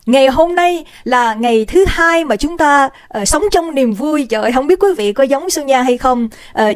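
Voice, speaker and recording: Chatting casually on her livestream, this woman's voice sits high and comes through a desk microphone with a dry sound. She's bubbly, calls out viewers by name, and sprinkles in English phrases.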